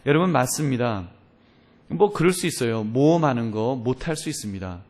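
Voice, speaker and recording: A man's voice: mid-range voice, normal speed. A male pastor preaching a sermon, addressing the congregation directly and acting out the voices in his stories. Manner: animated storytelling, acting out voices in quotes.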